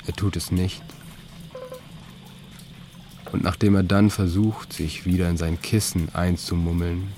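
A man calmly narrating a literary audio story in a slow, even third-person telling. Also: low-pitched. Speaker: author-narrator of an audio piece. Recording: clear ambient noise bed under the voice.

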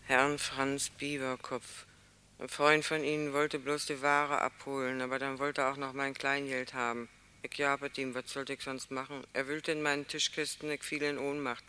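An actor playing a plaintive letter writer in a radio play, reading the letter out. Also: male voice, mid-range voice, level tone, normal speed, bright, forceful tone, smooth, lightly acted. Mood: plaintive, reproachful.

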